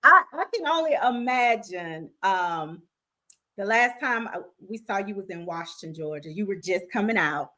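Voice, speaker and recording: A woman's voice: mid-range voice, expressive, normal speed, bright, forceful tone. A woman hosting a casual interview, enthusiastic and cheering her guest along. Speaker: interviewer host.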